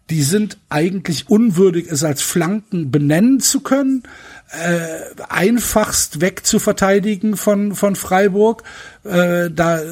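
A man's voice: high-pitched, darkish tone. A man hosting a casual podcast chat, venting at length with frequent hesitations and restarts. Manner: frustrated rant full of fillers and restarts. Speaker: podcast host.

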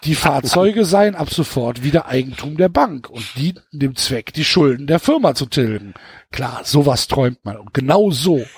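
A man's voice: medium pitch, lively intonation, moderate pace, breathy edge, no room sound. A man hosting a podcast, reading a novel aloud and breaking off for mocking comments, stumbling over his words. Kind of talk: casual reading with mocking asides.

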